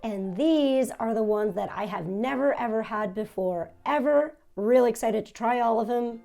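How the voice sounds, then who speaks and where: A young woman hosting a casual food-tasting vlog, hoarse and nearly losing her voice, talking in a subdued, raspy monotone with small laughs. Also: a little high. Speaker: food vlogger. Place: her home in Japan.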